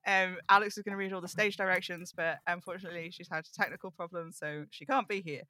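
A podcast host with a bright, mid-pitched voice chats casually. The talk rambles and pokes fun at itself, in a dry recording. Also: steady tone, quick pace, no room sound. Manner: rambling, self-deprecating. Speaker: podcast host and cast member. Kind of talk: casual chat.

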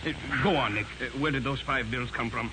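Male actor, puzzled businessman, middle pitch, hesitant, 1940s radio drama, noisy vintage sound. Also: natural voice. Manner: hesitant, halting.

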